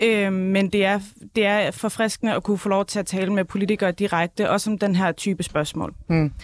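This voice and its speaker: In a very clean recording with a silent background, a woman speaks at a moderate pace and a medium pitch, with monotone, flat intonation and very even loudness. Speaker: debater and PR adviser. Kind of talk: moderated panel discussion. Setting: studio.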